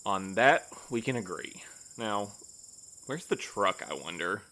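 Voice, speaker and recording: An actor playing a timid, fussy courier with formal, fretful diction in an audio drama. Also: male voice, lowish voice, animated, measured pace, sharp tone. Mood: subdued, worried. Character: nervous, fussy, bookish man, a timid courier.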